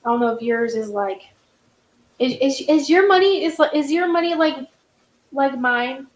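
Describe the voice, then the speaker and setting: A woman's voice: high voice, lively intonation, moderate pace. A woman hosting a casual chat about books, rambling with many fillers and restarts. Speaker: host. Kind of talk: casual video-call chat. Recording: roomy echo.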